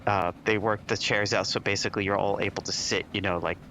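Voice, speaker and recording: Bright-voiced male game master. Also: fairly low pitch, level tone, quick pace, a little hiss or hum. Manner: casual, laughing, with fillers. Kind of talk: narrating a tabletop game.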